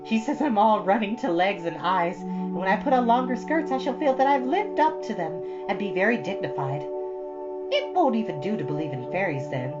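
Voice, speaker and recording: A woman's voice: medium pitch, animated, moderate pace, dull audio, loud music behind the voice, pitched above the performer's own voice, lightly acted. A woman voicing an eager, imaginative schoolgirl in a storybook reading, girlish and effusive, chattering dramatically. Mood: dreamy, eager.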